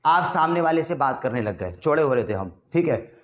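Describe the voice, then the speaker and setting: A man's voice: on the high side, animated, a little fast, reverberant. A man teaching English vocabulary in a casual Hindi lesson, acting out little scenes and quizzing the listener.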